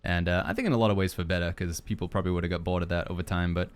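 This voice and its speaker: A man's voice: deep voice, steady tone, racing, clean tone. A man hosting a podcast in a casual, joking, rambling chat style. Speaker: podcast host.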